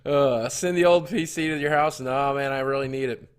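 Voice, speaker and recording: A man casually chatting on a live stream, reading chat and adding up costs aloud with many pauses and fillers while chewing cough drops. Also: medium pitch, clean tone.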